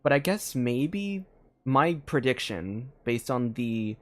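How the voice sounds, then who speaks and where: A man's voice: medium pitch, lively intonation, takes it slowly. A young man giving casual live commentary on a game, rambling and thinking aloud with lots of fillers. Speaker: game streamer.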